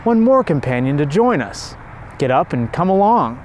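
A man's voice: fairly high pitch, very animated, normal speed, darkish tone. A kindly priest from a spoken storybook talks in a cheerful, trusting way, as a male narrator puts him on. His voice rises a little above the narrator's everyday tone, with faint noise behind it.

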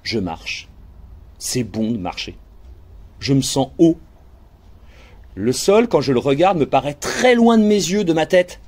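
Male audiobook reader, fairly high, very lively pitch, hushed dreamy narration. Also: unhurried, long pauses. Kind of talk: scripted narration.

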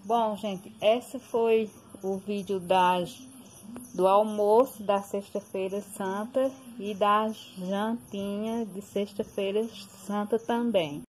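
Slow-talking woman listing groceries. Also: mid-range voice, fairly even intonation, a little mellow, rough recording. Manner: slow, plain listing with fillers. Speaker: home cooking and grocery vlogger. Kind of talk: casual voice-over listing groceries. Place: home kitchen. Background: pressure cooker hissing.

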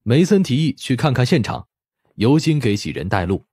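A man's voice: mid-range voice, sing-song, normal speed, dark tone, breathy edge, no room sound, clean studio sound. A man reading scripted story narration expressively, as an audiobook narrator.

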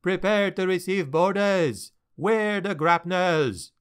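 A man voicing an excitable male sea captain with a French accent and broken, emphatic English. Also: a little high, slow. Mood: commanding.

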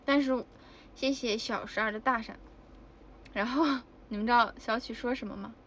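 A high-pitched woman with a bright, sharp voice chats casually with her fans on a phone livestream. She giggles often and exclaims as she talks. The lo-fi stream audio sounds dull. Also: moderate pace, a little hiss or hum. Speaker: idol livestreamer.

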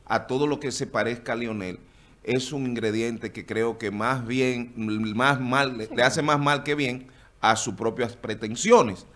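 A man's voice: medium pitch, steady tone, a little slow, a bit bright. A middle-aged man on a television political panel, arguing his case as a council candidate at a desk microphone. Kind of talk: heated political debate. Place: TV studio panel table.

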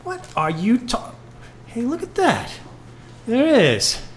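A woman's voice: a little high, wildly swooping pitch, slow, slight background noise, full character voice. A woman acting a bitter, wisecracking retired male jazz musician in a live noir audio play, talking in hep-cat slang. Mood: sardonic, weary. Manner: hep-cat slang, sardonic, stammers when rattled. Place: live on stage in a club.

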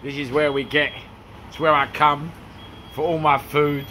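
A man interviewing a cafe owner on a handheld phone, excitable, laughing often and tripping over his questions. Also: a little high, unhurried, slight background noise. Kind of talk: casual street interview. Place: small cafe, indoors.

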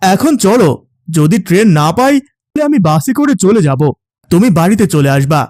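A man's voice: sits high, sing-song, moderate pace, darkish tone, dry recording, clean studio sound. A man voicing a grumbling but kindly village father-in-law. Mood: gruff.

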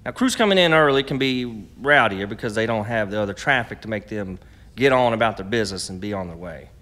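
An actor playing a wary, stubborn, protective riverside stand keeper in a period radio drama, with a terse, dry, folksy manner. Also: male voice, fairly low pitch, expressive, a little fast, fairly bright tone.

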